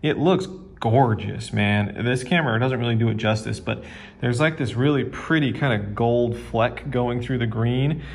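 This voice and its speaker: A man's voice: medium pitch, moderate pace, gravelly. A man hosting a casual workshop vlog from his woodworking shop, recorded on his phone's built-in mic. He talks in a laid-back, enthusiastic, slangy way. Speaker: woodworking channel host. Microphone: filmed on his phone's built-in mic.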